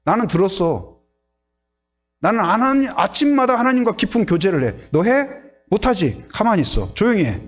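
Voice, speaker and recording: A man's voice: high-pitched, very animated, normal speed. A man playing an overbearing father who scolds his son and boasts of his own authority. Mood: bossy. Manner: bossy, scolding.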